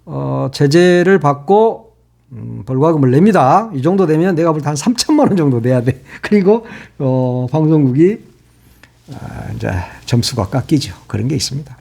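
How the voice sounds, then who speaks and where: A man's voice: fairly high pitch, animated, normal speed, creaky, warm tone. An older man, a former broadcast reporter, giving angry political commentary on his channel, cursing and firing rhetorical questions.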